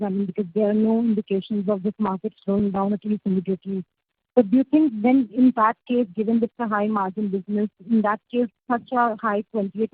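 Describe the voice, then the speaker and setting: A woman's voice: medium pitch, husky, no room sound. A female analyst putting questions to management on an earnings call, heard over a phone. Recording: muffled, narrow phone line.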